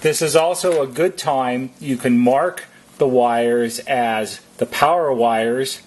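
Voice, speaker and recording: Man, slow deliberate delivery, husky rough-edged voice, methodical instructional narration, step by step. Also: mid-range voice, rough recording. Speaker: repair technician giving instructions.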